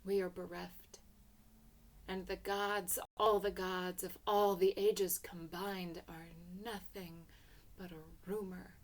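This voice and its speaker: Slowly and with a flat delivery, a woman with a lowish voice reads a first-person literary short story. Her reading is still intense and theatrical, rising from hushed passages to emotional peaks.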